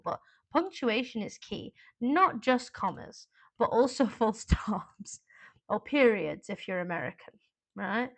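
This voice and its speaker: A woman teaching an exam class in a chatty, informal live online lesson, with frequent fillers and asides. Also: on the high side.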